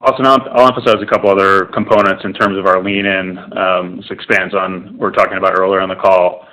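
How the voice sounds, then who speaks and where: Low, bright-voiced male executive. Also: level tone, quick pace, poor audio. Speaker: company executive answering analysts. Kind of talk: structured corporate earnings-call answers.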